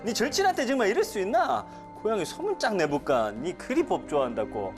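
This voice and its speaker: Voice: mid-range voice, big pitch swings, fairly quick, voice pushed up, close to an everyday voice. A performer playing a brazen Gyeongsang debtor. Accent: Gyeongsang dialect. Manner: brazen, dismissive. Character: shifty middle-aged male friend dodging a debt. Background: music.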